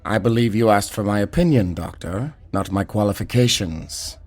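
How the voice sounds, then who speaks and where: A man's voice: fairly low pitch, lively intonation, moderate pace, a little mellow. A man acting a proud, critical professor in a sci-fi audio drama, stiff and pompous, turning defensive. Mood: defensive, indignant. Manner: pompous, stiff, hesitant when challenged.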